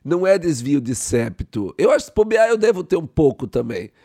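A Brazilian man co-hosting a podcast in casual chat, hoarse today, acting out other people as he tells stories. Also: a little high, brisk. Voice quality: hoarse, gravelly. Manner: animated storytelling, acts out others. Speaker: podcast co-host.

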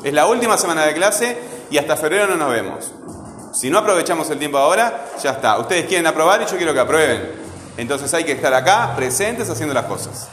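A man's voice: fairly high pitch, very animated, quick pace, a bit bright, faint music behind. Male teacher in an echoey classroom. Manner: asks questions and answers them himself. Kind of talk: classroom grammar lesson. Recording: echoey room with long reverb, faint ambience.

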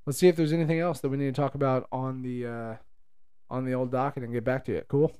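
Mellow-voiced man hosting a casual podcast. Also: medium pitch, steady tone, quick pace, smooth. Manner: rambling, playful. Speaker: podcast co-host.

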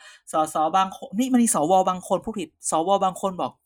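A man co-hosting a casual political chat podcast, talking in quick asides with laughs. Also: sits high. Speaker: co-host.

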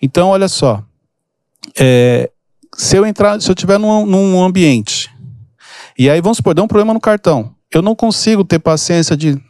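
A man's voice: high voice, expressive, normal speed, a little mellow, dry recording, clean studio sound. A man hosting a podcast, explaining emotional triggers through casual stories and acting out the people in them. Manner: storytelling, acts out quoted people. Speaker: podcast host and mentor. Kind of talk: casual teaching chat.

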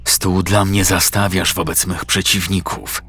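A man's voice: sits low, flat delivery, a little slow, a bit bright, breathy edge, heavily acted. A man doing a warrior murmuring a psalm. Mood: solemn prayer. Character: devout male warrior murmuring a psalm, fixed on his task.

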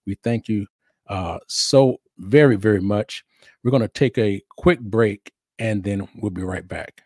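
Podcast host, middle-aged man, chatty with lots of restarts, lowish voice, dry close sound. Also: measured pace, dark tone, dry recording. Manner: chatty, repeats words, frequent restarts. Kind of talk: casual podcast interview.

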